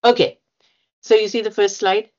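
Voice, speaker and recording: A woman's voice: medium pitch, fairly even intonation, normal speed, a little mellow, lo-fi sound. A woman presenting slides to a bargaining meeting over a video call, hesitant with many fillers. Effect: heard over a video call. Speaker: union bargaining representative.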